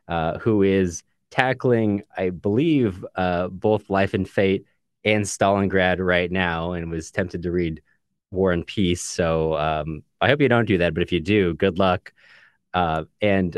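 Male podcast co-host, low register, conversational and chatty, recorded dry. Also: no echo. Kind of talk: casual book discussion podcast, reading listener comments.

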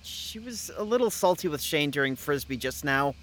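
An actor plays a small, prim young man in an audio drama. His male voice is lively and swoops up and down, with a hesitant, placating manner. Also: fairly high pitch, normal speed. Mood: mild, defensive. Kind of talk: naturalistic audio drama dialogue.

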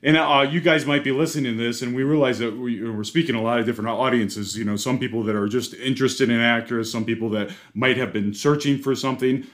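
A man's voice: medium pitch, steady tone, fast talker, few pauses, fairly bright tone. Male podcast co-host, casual and rambling, mid-range voice, full of restarts. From Ohio, US. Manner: rambling, many restarts, self-deprecating jokes. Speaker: podcast co-host at a car dealership.

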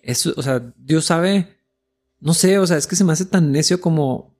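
A man's voice: on the high side, a little mellow. A man talking casually about faith, searching for words and often restarting his sentences. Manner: searching, halting, many restarts.

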